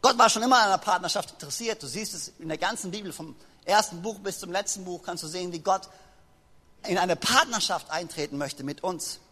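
A man preaching a sermon to a congregation, lively and joking as he speaks straight to his listeners. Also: high-pitched, a little fast. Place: church hall. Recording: long reverb of a large hall.

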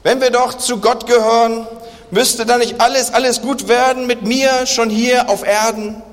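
A man preaching a sermon at a church service, asking rhetorical questions and sinking into quiet, intense emphasis. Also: very high voice, flat delivery, moderate pace. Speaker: pastor. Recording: long church reverb.

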